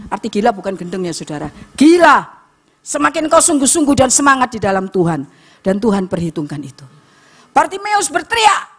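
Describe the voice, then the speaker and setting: A woman, preaching a sermon in church, swinging between loud urging and soft storytelling. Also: mid-range voice, big pitch swings, quick pace, breathy edge. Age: 50s. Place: church sanctuary.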